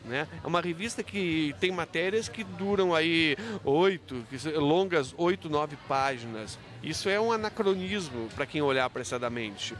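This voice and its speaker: A man's voice: on the high side, expressive, normal speed, few pauses, fairly bright tone. A man explaining things in a spontaneous interview, didactic, posing rhetorical questions as he goes. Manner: didactic, with rhetorical questions and frequent self-checks. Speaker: university professor interviewed about his book.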